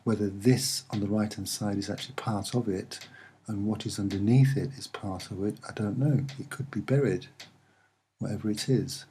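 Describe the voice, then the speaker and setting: A soft-spoken man with a slightly husky voice, presenting and explaining images in an unhurried, earnest way with hesitant pauses. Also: fairly low pitch, fairly even intonation, slight background noise. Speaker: online video presenter.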